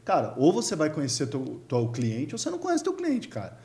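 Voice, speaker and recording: A man's voice: a little high, a little fast. A man, explaining marketing in casual chat and acting out little dialogues as he goes. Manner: animated storyteller acting out dialogues.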